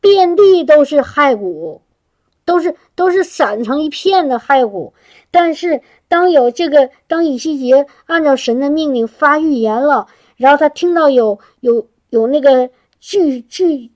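Speaking at a measured pace in a voice that sits high, a woman preaches a sermon in an animated, exclamatory style. She often repeats words and laughs between phrases.

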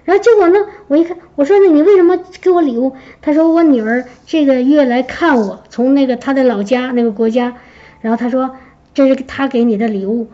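A high-pitched woman with a mellow, warm tone shares a personal testimony with her congregation. She tells her story in a lively, animated way. The recording sounds dull and lo-fi. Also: brisk. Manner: lively storytelling, acts out quoted speech. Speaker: church member giving a testimony.

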